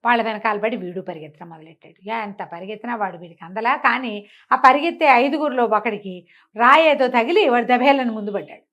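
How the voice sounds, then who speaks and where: A woman with a somewhat high voice narrates a comic folk tale. She tells it in a chatty, animated manner, circling back over phrases as she goes. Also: a little fast, lo-fi sound. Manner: conversational, repeats phrases and acts out dialogue. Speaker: storyteller.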